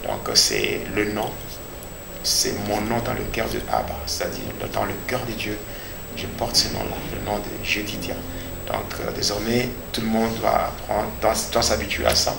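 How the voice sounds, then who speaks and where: A man with a Congolese accent giving a personal religious testimony as a pastor, speaking deliberately and repeating phrases for emphasis. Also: lowish voice, little pitch movement, music in the background. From Democratic Republic of the Congo. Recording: echoey room with clear background noise.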